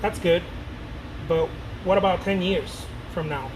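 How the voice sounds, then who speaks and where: Late-30s guy, kinda high voice, rambly chatty vlog talk, aircon humming behind. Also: measured pace, noisy background. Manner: loose and animated, repeats words, swears casually. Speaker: painter talking to his viewers. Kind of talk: casual rambling talk to camera.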